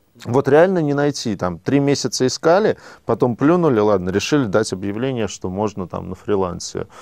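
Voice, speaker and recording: A man speaks at a moderate pace and medium pitch, his pitch swinging very widely. The background is quiet. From Russia, Saint Petersburg. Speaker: entrepreneur. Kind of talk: interview. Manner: casual.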